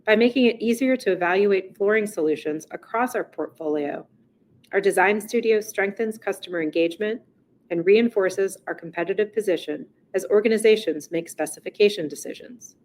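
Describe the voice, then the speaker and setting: A woman chief executive reading a scripted earnings presentation in a formal, measured corporate manner. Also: mid-range voice, a little mellow, slight background noise.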